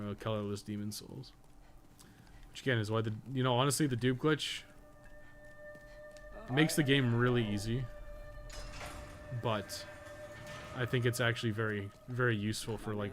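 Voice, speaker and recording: A man's voice: on the low side, fairly bright tone. A man giving casual live gameplay commentary, rambling and thinking aloud with casual swearing. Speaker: game streamer and podcast co-host.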